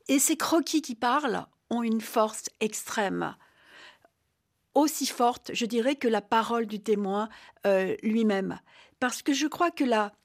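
Older woman historian, measured and reflective. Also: sits high. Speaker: historian guest. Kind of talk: radio interview answer.

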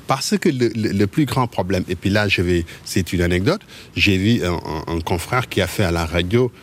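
A man from Mauritania, a journalist answering interview questions in a halting way, often repeating words as he searches for them. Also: low-pitched, expressive, a little hiss or hum. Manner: halting, with frequent word repetitions.

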